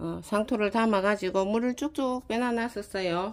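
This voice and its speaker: A woman with a Gyeongsang accent on a very clean recording with a silent background. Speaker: home gardener, video creator. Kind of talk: gardening tutorial. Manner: casual, conversational.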